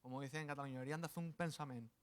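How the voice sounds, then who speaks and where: A pastor from preaching a sermon in a church, in a conversational, humorous way that acts out the quotes. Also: male voice, medium pitch, fairly even intonation, racing.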